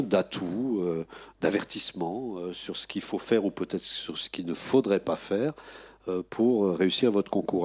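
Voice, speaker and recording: Older guy with a really deep voice, jury president talking to candidates, lots of euh and restarts. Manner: hesitant, many fillers and restarts. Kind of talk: formal public presentation. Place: conference room.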